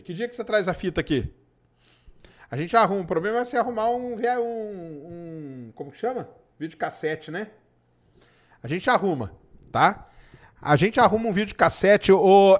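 A middle-aged Brazilian man with a Minas Gerais accent, hosting a science live stream and chatting casually with viewers. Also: sits high. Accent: Minas Gerais Portuguese. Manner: chatty, informal, answers chat questions with tag "tá?". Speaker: science show host.

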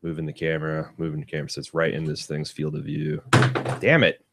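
A man's voice: a bass voice, completely flat delivery, quick pace, gravelly, noisy background. A man co-hosting a podcast in casual chat, joking, swearing freely and laughing often. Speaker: podcast co-host. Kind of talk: casual chat while testing software. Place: small studio. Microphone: studio mic.

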